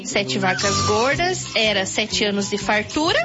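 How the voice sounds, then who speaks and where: A woman's voice: mid-range voice, lively intonation, a little slow, dull audio, over music. A woman from Espírito Santo hosting a Christian children's radio program, reading listener messages and often exclaiming praise. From Espírito Santo, Brazil. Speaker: host. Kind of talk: Christian kids' radio chat.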